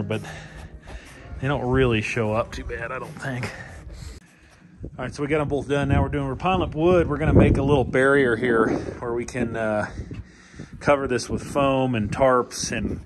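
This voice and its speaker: A young man in casual vlog narration, explaining his building work step by step in an easygoing way with many pauses, speaking into a handheld camera in an unfinished hangar and an open field. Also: mid-range voice. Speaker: vlogger, pilot building a hangar. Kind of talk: casual walk-through narration. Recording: noisy outdoor recording.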